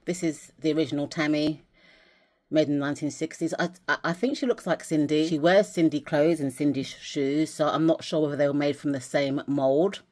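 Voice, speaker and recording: A woman's voice: low voice, fairly even intonation, fairly quick, a little mellow. A woman from England chatting casually in a vlog as she shows dolls and a journal, rambling a little with restarts. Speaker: vlogger.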